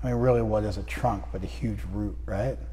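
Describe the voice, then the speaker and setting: A man speaks with ordinary pitch variation. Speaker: spiritual class teacher. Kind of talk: lecture. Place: home room. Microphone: lapel.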